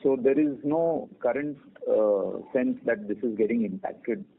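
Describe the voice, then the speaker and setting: Phone line audio, indian accent guy, raspy n creaky, exec answering questions, measured. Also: medium pitch. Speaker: company executive. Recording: muffled narrow phone line.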